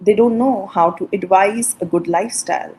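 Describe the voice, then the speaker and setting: A middle-aged woman doctor from Pakistan, explaining things in short, halting fragments in a casual video-call interview. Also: mid-range voice, a little mellow, poor audio. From Pakistan, Punjab. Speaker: guest, medical doctor.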